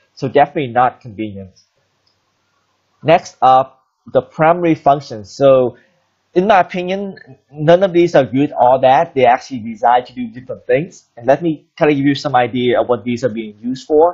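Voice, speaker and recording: The man's voice sits fairly high and sounds somewhat breathy. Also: ordinary pitch variation, moderate pace. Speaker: crypto video host. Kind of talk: tutorial.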